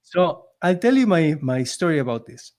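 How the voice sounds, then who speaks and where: His voice runs on the high side with big swings in pitch, a moderate pace and a slightly mellow quality. He is an immigrant in Canada with a non-native accent in English, earnestly and emphatically sharing his story as a motivational podcast guest in conversational style.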